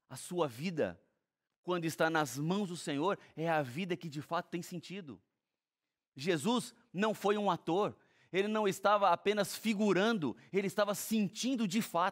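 A man with a Brazilian accent speaks at a high pitch with ordinary pitch variation. His pace is fairly slow, and the background is quiet. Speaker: preacher and TV Bible program host. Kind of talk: sermon-like Bible teaching to a TV audience, with direct pastoral appeals. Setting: TV studio. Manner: warm, earnest, reassuring; emphatic, with repeated phrases building to an emotional appeal. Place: studio. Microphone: lapel.

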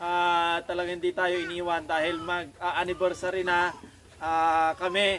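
A man speaks at a moderate pace in a high pitch. His intonation is monotone and flat, and his loudness stays very even. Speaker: vlogger running a children's community channel. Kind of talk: casual vlog narration.

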